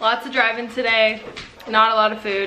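Light noise sits in the background. A woman talks over it. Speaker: vlogger. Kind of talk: casual vlog chat. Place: home room. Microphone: camera far.

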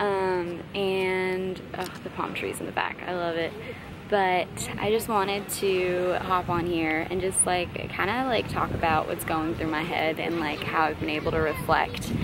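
With an American accent, a woman talks at a fairly slow pace and fairly low pitch, the sound dry with no echo amid noticeable background noise. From US, with teen years in the Philippines. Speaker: travel vlogger. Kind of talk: casual vlog narration. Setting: outdoors on the beach. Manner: animated. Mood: reflective, warm. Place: open country. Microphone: phone near.

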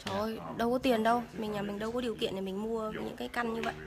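There is noticeable background noise. A woman speaks over it at a very fast pace. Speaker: vlogger viewing apartments. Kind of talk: casual vlog chat. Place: home room. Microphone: phone near.

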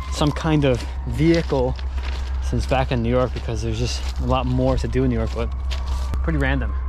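Against noticeable background noise, a man talks at a fairly quick pace in a very deep, low pitch, monotone and flat, with a dry sound and no echo. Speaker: scooter rider vlogger. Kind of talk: casual vlog chat. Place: open country. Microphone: phone near.

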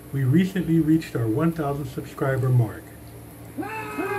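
Music plays in the background as a man speaks at a moderate pace, his pitch varying in an ordinary way. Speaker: vlogger. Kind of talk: casual vlog chat. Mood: happy, grateful. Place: home room. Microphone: phone near.

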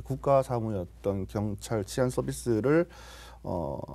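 A man with a dark, mellow tone. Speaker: news talk show host. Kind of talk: news talk show. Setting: studio. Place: studio.

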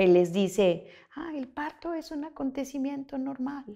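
Against a quiet background, a woman speaks with a Mexican accent. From Mexico. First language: Spanish (speaking Czech). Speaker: traditional midwife; guest. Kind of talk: interview. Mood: warm, calm. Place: studio.

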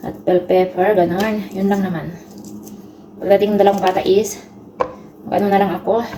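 A woman's medium-pitched, monotone voice with flat intonation at a fairly quick pace, broken by long, frequent pauses, over noticeable background noise. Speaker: domestic helper vlogger. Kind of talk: casual vlog narration. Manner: chatty, frequent laughter.

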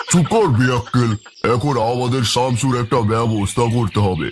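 At a moderate pace, a man puts on a cartoonish character voice at a medium pitch. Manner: pompous, blustering.

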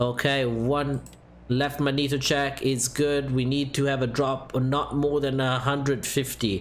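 At a very slow pace, a man speaks at a medium pitch in a monotone, flat intonation with very even loudness. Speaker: flight instructor and streamer. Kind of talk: flight tutorial livestream. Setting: live stream, flight simulator. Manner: casual, friendly, filler words. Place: home room. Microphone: studio mic.

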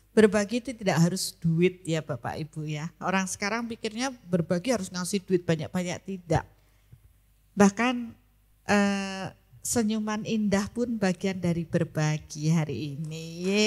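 In a quiet background, a woman speaks at a fairly slow pace with ordinary pitch variation. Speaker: spiritual teacher. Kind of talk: talk show teaching. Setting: stage with audience. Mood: warm, smiling. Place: stage. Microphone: handheld.

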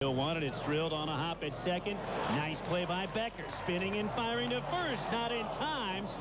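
The speech moves at a moderate pace over loud background noise. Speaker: baseball radio announcer. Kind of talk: sports commentary. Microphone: headset.

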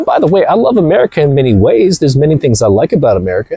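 A man speaks at a very fast pace with a dry, close sound and no echo. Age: 40s. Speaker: motivational streamer and dating coach. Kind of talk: live stream monologue. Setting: outdoors, walking while streaming. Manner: loud, shouting; energetic.

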